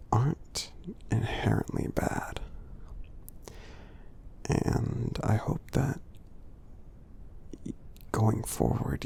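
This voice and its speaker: A man voicing a kindly, reassuring giant in a soothing ASMR roleplay, half-whispering with a husky, gravelly creak and halting delivery. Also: on the low side, heavily acted. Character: gentle friendly male giant, kindly and reassuring. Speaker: ASMR performer.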